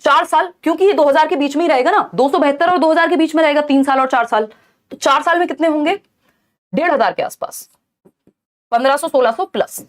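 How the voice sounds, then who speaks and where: A woman with a high, bright-sounding voice teaches an exam-prep lecture. She explains each point step by step and keeps checking in with her students. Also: fast.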